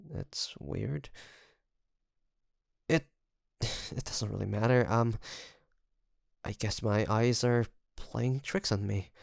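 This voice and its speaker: A man playing a secretly obsessive best friend in an intimate audio roleplay, coaxing and hesitant, with sighs and pauses. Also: lowish voice, gravelly, no echo, studio quality. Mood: gently nagging.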